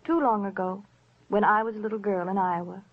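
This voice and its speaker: A woman's voice: medium pitch, fairly even intonation, a little fast, natural voice. An actress playing a cool, teasing sophisticated woman with a coy, languid manner, in 1940s radio acting. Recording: dull lo-fi old radio recording.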